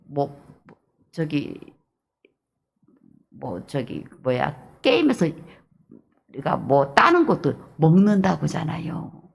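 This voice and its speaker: Raspy-voiced woman pastor preaching emphatically. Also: deep voice, huge pitch swings, slow, long pauses. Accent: Jeolla Korean. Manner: emphatic, repetitive exhortation with hushed asides. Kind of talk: early-morning sermon.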